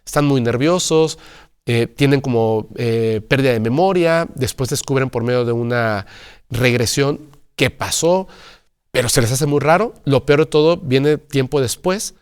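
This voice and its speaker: A man's voice: mid-range voice, a little slow, clean tone. Man telling a dramatic story. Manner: dramatic storyteller who acts out dialogue. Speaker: guest storyteller. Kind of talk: telling a paranormal story in conversation.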